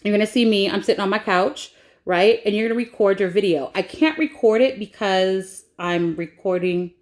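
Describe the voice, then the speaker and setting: A woman's voice: mid-range voice, moderate pace. A woman giving a casual social media tutorial in a playful, chatty, informal way.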